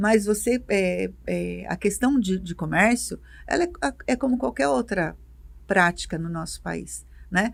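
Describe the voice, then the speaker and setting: This is a woman speaking. She goes at a fairly slow pace. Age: 60s. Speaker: animal rescuer. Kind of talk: podcast interview. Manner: animated.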